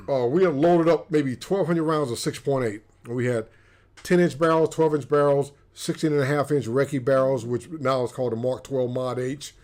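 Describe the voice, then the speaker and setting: A man's voice: mid-range voice, fairly even intonation, normal speed, a little mellow. A man, co-hosting a casual livestream and telling stories with lots of repeated words. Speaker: co-host. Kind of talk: casual storytelling chat.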